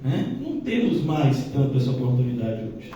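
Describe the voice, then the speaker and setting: Pastor in an echoey church. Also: male voice, mid-range voice, sing-song, moderate pace, dark tone, slight background noise. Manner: conversational, with frequent "né?" asides. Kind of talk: Bible-study sermon. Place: church hall. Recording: echoey church hall, distant mic.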